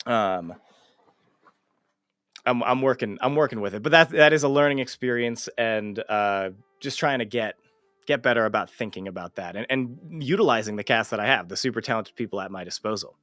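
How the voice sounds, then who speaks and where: A man's voice: lowish voice, fairly bright tone, no echo, clean studio sound. A man hosting a casual livestream interview, talking informally and swearing freely. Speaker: show host and amateur voice actor.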